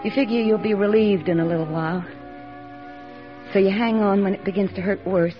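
An actress playing a steady, plain-spoken army nurse lieutenant who narrates and soothes wounded men in a 1940s radio drama. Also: female voice, mid-range voice, brisk, natural voice. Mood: strained. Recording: dull old radio broadcast with music.

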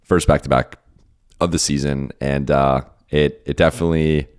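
A hoarse, worn-out man hosting a solo podcast, answering listener questions in a rambling, casual way with many restarts. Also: rumbling low, fairly even intonation, normal speed, darkish tone. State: hoarse, lost his voice and tired. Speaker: podcast host and basketball beat writer.

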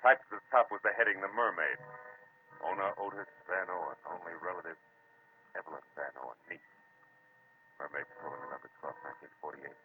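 An actor playing a wry, hard-boiled private eye, narrating tersely and sardonically in a 1940s radio drama. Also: male voice, low-pitched, fairly quick, pauses often, natural voice. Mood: tense. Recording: noisy, muffled old radio recording.

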